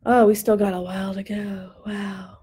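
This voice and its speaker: Using a desk mic in her home studio, a woman in her thirties reviews student poster designs live, chatty and upbeat as she thinks out loud. Her mid-range voice is dark and slightly rough, with flat delivery at normal speed, and it grows worn and starts cracking from extended use.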